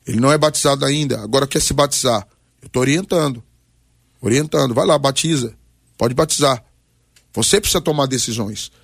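Creaky-voiced Brazilian pastor in his forties. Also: medium pitch, fairly quick, dry recording, clean studio sound. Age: 40s. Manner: emphatic, preacherly, storytelling with short punchy phrases. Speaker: pastor, guest on a radio debate. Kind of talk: personal testimony and exhortation in a talk programme.

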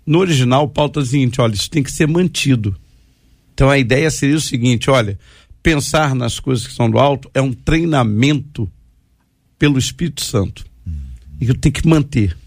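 A man's voice: mid-range voice, a little fast, no echo, studio quality. A man in a discussion, explaining step by step and pointing back to the original text.

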